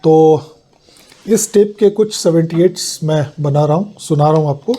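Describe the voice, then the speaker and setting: Male vlog host, Indian accent. High register, soft dark tone, some rasp, formal and deliberate explainer delivery. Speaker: host of an analogue audio channel. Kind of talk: explanatory vlog talk, switching between Hindi and English.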